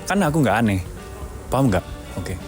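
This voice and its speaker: Casual interviewee: playful man, medium pitch, foreigner speaking colloquial Indonesian, music behind. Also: sing-song, moderate pace. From Japan. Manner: playful, repeats and corrects himself.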